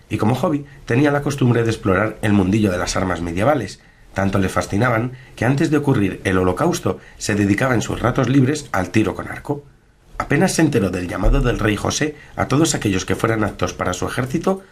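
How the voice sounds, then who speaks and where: A man's voice: fairly low pitch, breathy edge. A man playing a chronicler who tells a post-apocalyptic saga in formal, scripted radio drama narration.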